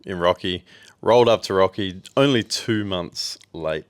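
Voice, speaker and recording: A man's voice: deep voice, unhurried, clean tone, no room sound. A laid-back Australian man from Western Australia, co-hosting a podcast in casual chat and rambling with fillers. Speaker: podcast co-host.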